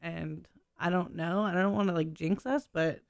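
A woman's voice: fairly low pitch, steady tone, moderate pace, gravelly, dry recording. A woman hosting a community radio show, chatting casually, often laughing and trailing off mid-sentence. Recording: radio studio.

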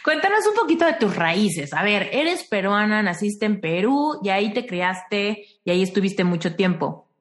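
A woman's voice: mid-range voice, very animated, moderate pace, hardly any pauses. Woman host asking friendly questions. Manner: friendly, short prompting questions. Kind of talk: conversational interview.

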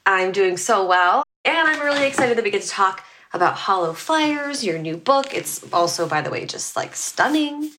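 A woman's voice: mid-range voice, lively intonation, normal speed, hardly any pauses, bright, forceful tone, slight background noise. A woman hosting a podcast interview, asking questions enthusiastically and backing up her guest with frequent mm-hmms. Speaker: podcast host. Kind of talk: casual interview conversation.

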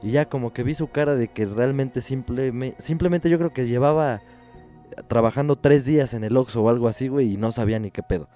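A man's voice: mid-range voice, fairly quick, mellow, faint music behind. A man with a Mexican accent, telling a story in a casual chat, swearing a lot and sounding exasperated. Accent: Mexican Spanish.

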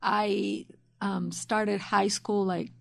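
A woman's voice: medium pitch, little pitch movement, drawn-out words, gravelly, dry recording. A middle-aged woman from Argentina with an Argentine Spanish accent, chatting casually as a podcast guest with dry, understated replies. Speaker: guest, host's mother.

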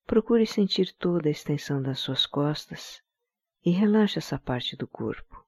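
A man leading a guided meditation in a calm, soothing manner, giving slow relaxation instructions. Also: on the high side, vocal fry, breathy edge, no room sound, clean studio sound.

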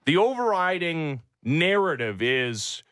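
Sports radio morning guy, kinda high voice, swings around a lot, opinionated. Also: very animated, slow, fairly bright tone, clean tone, no room sound, clean studio sound. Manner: emphatic, opinionated. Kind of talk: sports talk radio discussion. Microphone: close studio microphone.

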